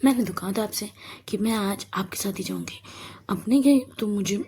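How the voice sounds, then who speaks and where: A woman's voice: medium pitch, expressive, moderate pace, darkish tone, slight background noise, lightly acted. A woman voicing a pushy, talkative young female student with a teasing, clingy manner. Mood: playful, pleading.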